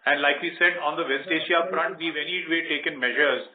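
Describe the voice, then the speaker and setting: A man with an Indian accent, a company executive giving measured, explanatory answers on an earnings call. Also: steady tone. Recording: roomy, muffled low-bandwidth conference line.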